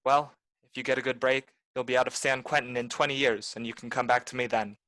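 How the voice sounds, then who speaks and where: A man's voice: medium pitch, little pitch movement, fast talker, sharp tone, no echo, natural voice, low-quality recording. A man playing a cynical, blunt private detective in the manner of 1940s noir radio drama. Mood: bitter, resolute. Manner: blunt, accusing, tough. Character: hard-boiled, cynical male private detective.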